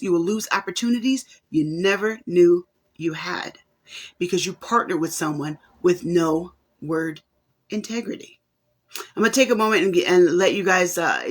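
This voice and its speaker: A woman hosting a live-stream talk. She answers viewer comments in a casual way and repeats her key points for emphasis. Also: lowish voice. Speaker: host of a life coaching show.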